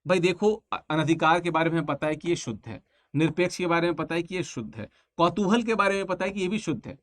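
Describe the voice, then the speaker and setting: A man's voice: a little high, fast talker, a bit bright, no echo. A man teaching an online exam-prep language class, talking casually and repeating each answer several times.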